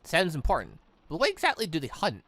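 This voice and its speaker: A man's voice: on the high side, wildly swooping pitch, quick pace, sharp tone, no room sound, exaggerated voice. A man voicing a cheeky, harmless young man, the flippant and wry hero of a visual novel. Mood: curious.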